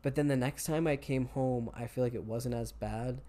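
Young man rambling with lots of "like". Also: moderate pace. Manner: rambling, heavy use of "like"; voice jumps higher when excited. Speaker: interview guest. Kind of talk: casual conversation.

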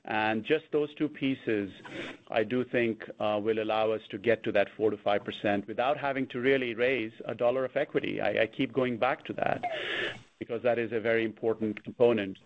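A man with a fairly low voice answers as a company executive on an earnings call. He works through his points off the cuff, restarting phrases as he goes. The audio is dull and band-limited. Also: steady tone, normal speed. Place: conference call.

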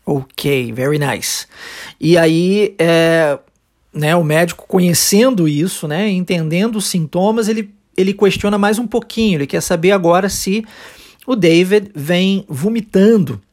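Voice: mid-range voice, unhurried, a little mellow. A teacher with a Brazilian Portuguese accent hosting a podcast English lesson. The teacher explains step by step, checks in often with short tags and asks listeners to repeat phrases.

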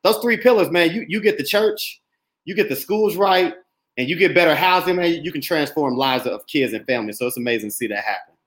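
A man's voice: a little high, animated, fairly quick, fairly bright tone. A man in his thirties from Indianapolis hosts a podcast interview in an enthusiastic, casual way, often calling people "man.". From Indianapolis, United States. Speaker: podcast host. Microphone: remote call mic. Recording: roomy echo.

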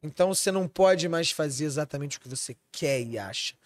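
A man's voice: on the high side, expressive, fairly quick. A man from Switzerland, a chef and restaurant owner, talking animatedly in a casual podcast chat and swearing freely.

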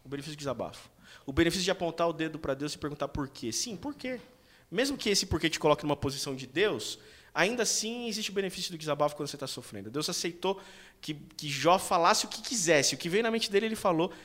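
Fast-talking Brazilian man, personal stories. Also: on the high side, expressive, a bit bright. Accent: Brazilian Portuguese. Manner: emotional personal storytelling. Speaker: panelist. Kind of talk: casual faith discussion.

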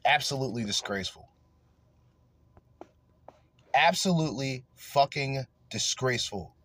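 A man's voice: mid-range voice, lively intonation, unhurried, fairly bright tone. A man hosting a podcast, ranting crudely and angrily in heated commentary. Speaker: podcast host.

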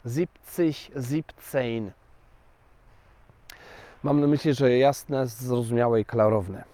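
With an even, mellow mid-range voice and no echo in the recording, this Polish-native man teaches languages. His lesson is relaxed and explanatory, delivered slowly and deliberately in a chatty style aimed straight at viewers.

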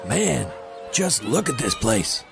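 A man's voice: medium pitch, big pitch swings, slow, gravelly, over music, full character voice. An actor playing a world-weary man with dry, sardonic humour, patient with a childlike companion. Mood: resigned.

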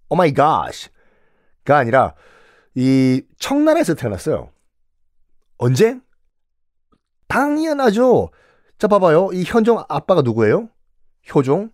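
Lively, animated male history storyteller. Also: a little high, dry recording, studio quality. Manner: playful, animated, acts out quotes. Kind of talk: casual storytelling history lesson.

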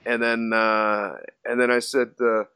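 A man's voice: mid-range voice, level tone, measured pace, pushed and bright, clean tone, no echo. Man retelling a poker hand, dry sound. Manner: storytelling with many fillers and restarts. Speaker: podcast host. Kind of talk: casual poker hand recap.

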